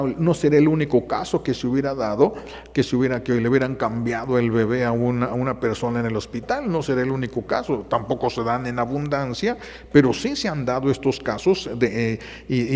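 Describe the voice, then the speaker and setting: Priest preaching in a reverberant church. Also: male voice, mid-range voice, a little mellow. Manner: conversational, hesitant fillers, acts out quotes. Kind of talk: sermon.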